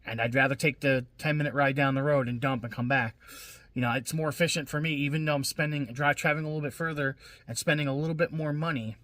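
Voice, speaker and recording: A man's voice: fairly high pitch, fairly even intonation, fast, a bit bright, no echo. A man talking casually on his vlog, blunt and venting, swearing freely and restarting his sentences often. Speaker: scrap-metal vlogger. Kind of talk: casual rambling vlog talk.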